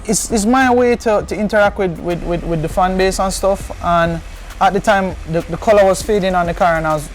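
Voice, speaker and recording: High-voiced Jamaican man chatting. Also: a little fast, a little hiss or hum. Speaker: interview guest, car content creator. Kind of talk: casual interview chat with patois.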